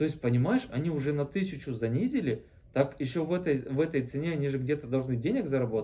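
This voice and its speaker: A man speaks at a fairly quick pace with a fairly high pitch and ordinary pitch variation. His tone is dark and mellow, and somewhat breathy. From Kyrgyzstan. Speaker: business owner, China sourcing expert. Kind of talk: casual interview. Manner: repetitive, halting.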